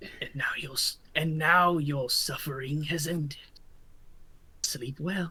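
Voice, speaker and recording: A put-on character voice moves at a fairly slow pace with fairly even intonation. Long pauses come often. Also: man, fairly high pitch for a man. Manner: soothing, sinister.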